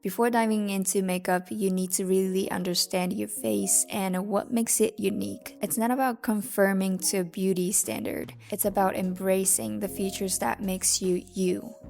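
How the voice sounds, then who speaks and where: Soft-spoken young Japanese-accented woman. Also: mid-range voice, moderate pace, vocal fry, few pauses, faint music behind. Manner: soft-spoken, relaxed, many fillers. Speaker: makeup vlogger and dancer. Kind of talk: casual makeup tutorial talk. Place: home bathroom, indoors. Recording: roomy bathroom echo.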